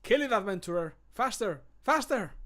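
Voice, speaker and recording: Urgent video game sidekick, played by a man, raised pitch, punchy exclamatory delivery. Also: lively intonation, moderate pace, a bit bright. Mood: urgent, egging on. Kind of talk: recorded game voice lines.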